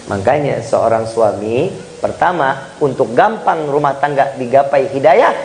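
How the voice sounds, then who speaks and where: A male preacher giving a humorous sermon, speaking straight to the congregation with loud bursts and hushed asides. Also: mid-range voice, slight background noise, rough recording. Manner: jokey, animated, swings between loud and hushed; addresses listeners directly as Pak and Bu.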